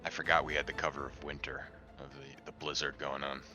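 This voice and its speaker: A man's voice: rumbling low, little pitch movement, brisk, music in the background. A man taking part in a tabletop roleplaying game, talking casually about his moves.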